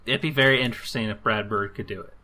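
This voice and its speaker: A man's voice: fairly low pitch, quick pace, bright, forceful tone. A young man in a casual podcast chat, rambling and laughing between his words.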